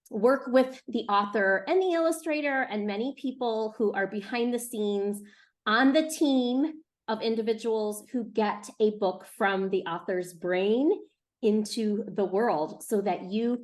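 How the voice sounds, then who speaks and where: Female event host, high register, instructional delivery for a young audience on a live video call. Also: measured pace. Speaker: book publisher hosting an author event. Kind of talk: addressing classrooms on a live call.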